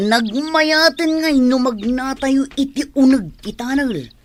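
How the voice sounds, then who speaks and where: A man's voice: very high voice, slow pace. A man with an Ilocano Filipino accent acting an eager, cocky bank robber henchman in a radio drama, faintly noisy recording. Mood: gleeful.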